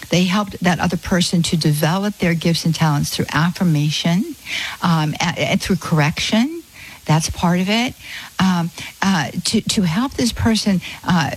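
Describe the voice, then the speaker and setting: A woman's voice: on the low side, slightly rough, poor audio. A middle-aged woman hosting a live Catholic call-in radio show, speaking effusively with many fillers and restarts.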